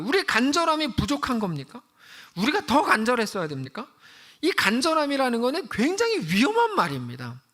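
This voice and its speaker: A woman's voice: on the high side, fairly bright tone. A woman pastor giving a conversational sermon in a church and asking her listeners one rhetorical question after another. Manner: conversational, asks the congregation many rhetorical questions.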